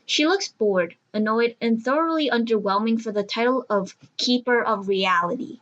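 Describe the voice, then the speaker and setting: Higher-voiced woman narrating an audio drama. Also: moderate pace, a bit bright, highs cut off.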